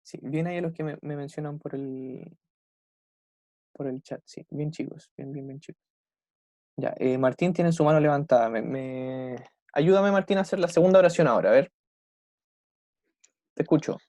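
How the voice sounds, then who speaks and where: A man with a Chilean Spanish accent teaching an online English class, patiently repeating example sentences slowly and checking in with short tag questions. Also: fairly high pitch, mellow, no echo.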